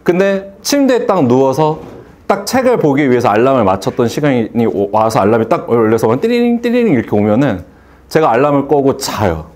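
A man's voice: mid-range voice, big pitch swings, brisk, a little mellow. A man giving a motivational speech to a seated audience, asking rhetorical questions and acting out phone calls. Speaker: hair salon owner giving a speech.

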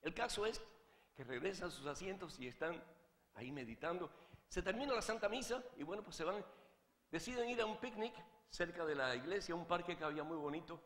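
A man preaching as a Catholic priest, swinging from hushed asides to shouted fervor. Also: high-pitched, a little fast, reverberant, long reverb tail. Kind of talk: sermon with a joke.

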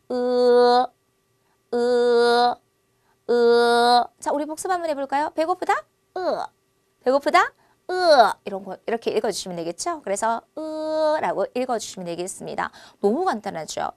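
A woman teaches Chinese vowels in a recorded online lesson. Her voice sits fairly high, and she talks with lively energy. She sounds out each vowel loudly and slowly, close to a dry mic. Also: dry recording.

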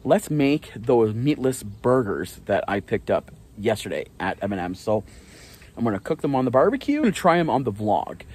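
A man's voice: mid-range voice, very animated, normal speed, a little mellow, breathy edge. Rambling man vlogging on his phone. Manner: chatty, rambling, self-correcting with light laughs. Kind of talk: casual daily vlog to camera. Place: outdoors by a parking lot and indoors on an armchair. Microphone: phone held at arm's length.

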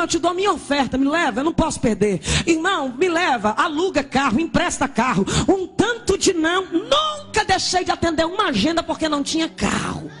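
A woman missionary from Brazil preaching a fervent pentecostal sermon and testimony, often shouting and speaking in tongues. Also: high-pitched, slight background noise.

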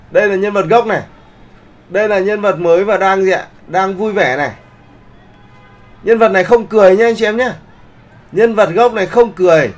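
A man teaching a live online class, often checking that the students follow along. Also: high voice. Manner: keeps checking in with the class, polite particles. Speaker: online art instructor.

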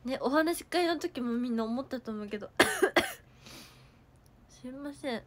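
A young woman with a high voice and a Kansai accent, chatting casually on a livestream. She reads viewer comments aloud and thanks people. She coughs now and then and her throat sounds sore. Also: animated, takes it slowly. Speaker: idol livestreamer.

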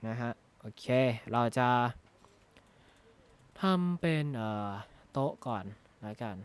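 Playing Minecraft for a casual let's-play, a gaming YouTuber jokes, rambles, and thinks aloud, often adding "na ha" tags. His medium-pitched voice is clear and resonant with lively intonation and a slow pace, picked up by a close desk mic at his gaming desk.

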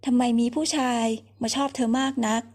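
A woman's voice: fairly high pitch, fairly quick, a little mellow, close to an everyday voice. A woman voicing a jealous, sarcastic older man who accuses his young wife, for a storybook reading.

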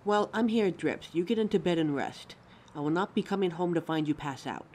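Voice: medium pitch, a little fast, darkish tone, a little hiss or hum, natural voice. A performer playing a caring, anxious young werewolf partner in a roleplay audio drama, tender and fussing, stammering when flustered.

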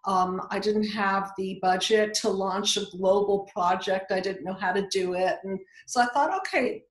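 A woman's voice: medium pitch, moderate pace. Woman in her 60s, from Hungary, earnest psychologist guest, roomy webcam sound. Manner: earnest, explanatory, with frequent restarts. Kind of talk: video call interview. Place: indoor home office. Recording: roomy video call audio.

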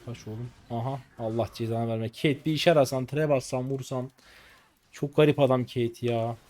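A man in his late twenties giving live gameplay commentary as a streamer, excitable and exasperated, with rough slangy banter at teammates. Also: mid-range voice, moderate pace. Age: late 20s. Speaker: gaming streamer.

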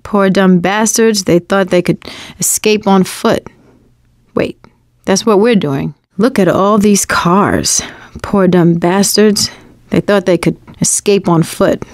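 An actress playing a sassy, wisecracking young woman surviving a zombie apocalypse in a video game, sardonic and expressive. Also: medium pitch, slow pace, no room sound, studio quality. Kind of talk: video game combat barks and quips.

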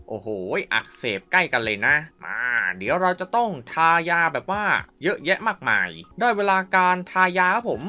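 A man's voice: on the high side, pushed and bright. A man hosts a gaming video with playful running commentary. His intonation swings widely and he exclaims often. He throws in wows and little mouth-made sound effects as he plays.

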